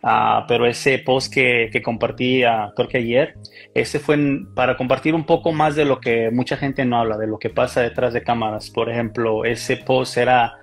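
A man with a Mexican accent, talking as an interview guest over a video call and pausing often on fillers and restarts. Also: mid-range voice, flat delivery. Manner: hesitant, many fillers and restarts. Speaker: interview guest, micropigmentation artist. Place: small indoor room.

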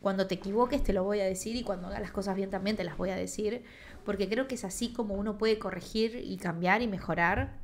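A woman's voice: mid-range voice, steady tone, fast talker, a little hiss or hum. A young woman with a Rioplatense accent gives casual reaction commentary, talking straight to her viewers in a conversational way. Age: young adult. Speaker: streamer reacting to a news video. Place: home room, indoors. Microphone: desk microphone with headset on.

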